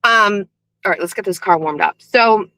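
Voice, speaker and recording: A woman chats and laughs her way through a relaxed morning show from inside her car, speaking into a cradled phone. She has a medium-pitched, sharp-toned voice at a normal speed, a little scratchy as if she's just woken up, and she wanders into rambling asides. No room sound is audible.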